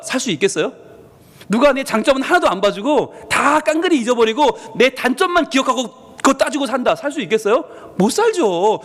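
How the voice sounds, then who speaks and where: A male pastor with a Busan accent preaching a sermon, animated, asking the congregation questions and acting out voices in the story. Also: extremely high pitch, long reverb tail. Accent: Busan Korean. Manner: animated, acts out voices of God and parents, asks the congregation questions. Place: church sanctuary.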